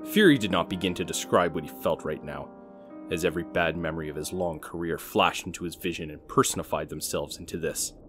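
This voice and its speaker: A man's voice: low voice, fairly quick, music in the background. A man giving a dramatic scripted narration as the narrator of an audio story.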